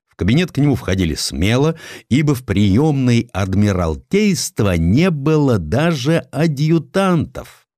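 Low-voiced, expressive male audiobook narrator. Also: dry recording, studio quality. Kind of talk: expressive scripted literary narration.

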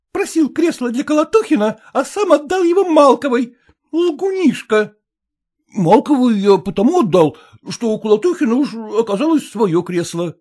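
Guy doing a shrill jealous actress wife, high and loud, all over the place. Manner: shrill, accusing, tearful.

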